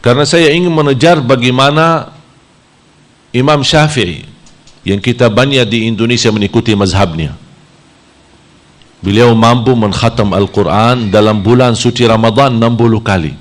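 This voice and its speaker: A man from Saudi Arabia, preaching a sermon in a lively style whose pitch jumps high when he plays out temptations. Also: normal speed, long pauses.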